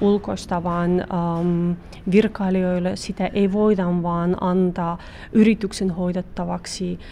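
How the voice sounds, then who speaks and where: A woman at a medium pitch with monotone, flat intonation, over noticeable background noise. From Bashkortostan, Russia. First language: Bashkir (speaking Finnish). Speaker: immigrant services coordinator. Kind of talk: interview. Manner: halting, frequent hesitations.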